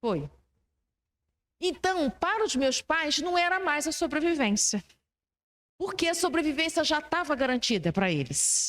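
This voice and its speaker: Lively intonation from a woman with high pitch, at a fairly slow pace, with long, frequent pauses and very even loudness. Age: 60s. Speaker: spiritist speaker. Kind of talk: talk with slides. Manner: casual.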